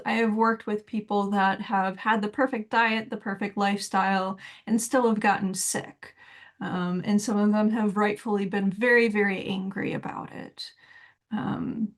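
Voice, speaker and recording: A woman giving a reflective solo talk as a spiritual teacher, measured and thoughtful with soft laughs between points. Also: medium pitch.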